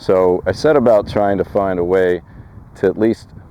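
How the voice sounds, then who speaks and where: A man speaks with a very deep, low pitch and a dark, mellow tone. His intonation stays fairly even. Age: 60s. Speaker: golf instructor. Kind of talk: golf instruction to camera.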